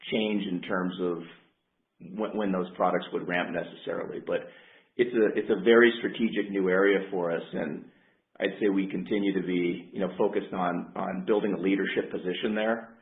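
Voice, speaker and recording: A man speaking as a company executive, answering questions on an earnings call in a measured, careful way. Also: sits low. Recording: roomy, dull conference line.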